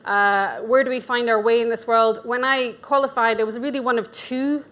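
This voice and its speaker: A Scottish woman in her forties presents to a room of practitioners in a relaxed, candid way. Her voice sits a little higher than most women's. She drops in asides and pokes fun at herself. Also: moderate pace. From Scotland. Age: 40s. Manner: chatty and candid, with asides and self-deprecating humour. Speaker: nutrition practitioner giving a conference talk. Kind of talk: conference presentation. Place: event venue.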